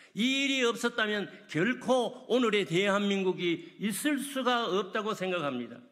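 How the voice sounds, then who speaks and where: At a high pitch, a man speaks at a fairly slow pace with hardly any pauses, lively intonation and very even loudness. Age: 80s+. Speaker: honorary university president. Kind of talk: press conference speech.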